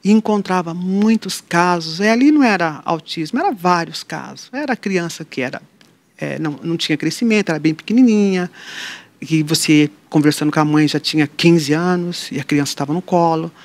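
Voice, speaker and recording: A woman's voice: lowish voice, fairly quick, dry recording. A middle-aged woman talks about her family and her faith as an interview guest, and she gives each person in her story a voice of their own. The recording is dry and close, with no room sound around her. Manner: lively storyteller who acts out quoted dialogue. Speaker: interview guest, mother of an atypical child. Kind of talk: personal faith testimony in conversation.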